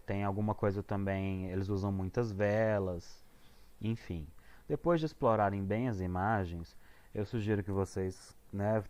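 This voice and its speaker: Low-voiced Brazilian male teacher, hesitant. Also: darkish tone. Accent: Brazilian Portuguese. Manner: casual, hesitant, with many fillers and restarts. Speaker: English teacher. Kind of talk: explaining schoolwork to students.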